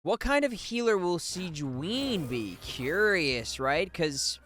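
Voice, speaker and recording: A man's voice: high-pitched, very animated, slow pace, a bit bright. A man streaming a video game, chatting casually with playful, jokey asides. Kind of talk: casual playthrough commentary.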